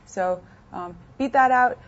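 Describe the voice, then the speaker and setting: A woman's voice: a little high, a little slow. Chatty young woman, lo-fi sound. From United States, partly raised in France. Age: 20s. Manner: chatty, many fillers and restarts. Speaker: interview guest, poker player. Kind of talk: casual interview answers. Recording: dull lo-fi sound.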